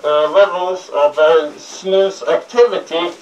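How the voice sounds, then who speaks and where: A man's voice: on the high side, takes it slowly, a little hiss or hum. A young man hosting a comedic review, talking through a gas mask, stammering, swearing and rambling. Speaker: host. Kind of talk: comedic snus review and sketch. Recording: distant, roomy, lo-fi with music.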